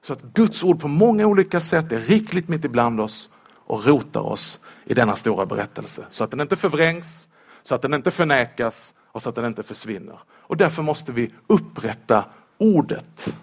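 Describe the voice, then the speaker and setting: A man preaching a sermon in church, lively and humorous, asking rhetorical questions of the congregation. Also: medium pitch, slightly rough.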